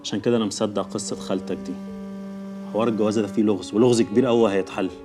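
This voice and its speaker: Actor as a brisk, low-voiced hustler lecturing a younger relative, TV drama with music under. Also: male voice, steady tone, natural voice. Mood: scornful. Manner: fast, scolding, coaxing.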